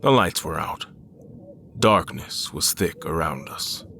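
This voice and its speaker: A man playing a grave, determined admiral in an audio horror drama, speaking in a measured, formal, solemn way. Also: a bass voice, animated, creaky, pushed and bright, a little hiss or hum, exaggerated voice. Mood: brooding. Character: Admiral Beckett, grave, determined father trapped in haunted manor. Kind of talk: audio horror drama, first-person narration.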